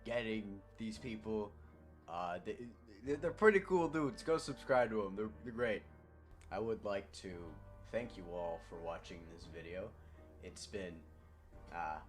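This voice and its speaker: Young dude doing live commentary on his vid, laughs a lot, swears, gets loud sometimes. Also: lowish voice. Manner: laughs often, swears, bursts into loud yelps. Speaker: video essay creator doing live commentary. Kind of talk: casual commentary over his own video.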